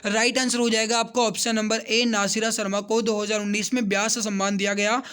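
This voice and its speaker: A man's voice: high voice, flat delivery, a little fast, pushed and bright, clear, resonant tone. A man teaching an online exam coaching lesson, walking through questions, repeating answers for emphasis and addressing viewers directly.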